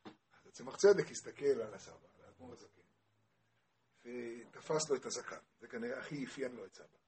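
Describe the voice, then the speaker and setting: A man giving a Torah lesson, telling a Hasidic story and asking his listeners questions, growing loud and impassioned. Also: medium pitch, slight background noise. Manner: animated, asks the audience questions, grows loud and impassioned. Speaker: Torah teacher.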